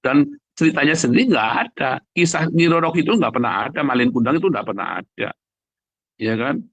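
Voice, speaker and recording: A man preaching in a conversational, emphatic way, repeating phrases for emphasis and addressing listeners directly, with a husky voice. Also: mid-range voice, lively intonation, fairly quick, a bit bright, no room sound. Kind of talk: livestream sermon, conversational and emphatic.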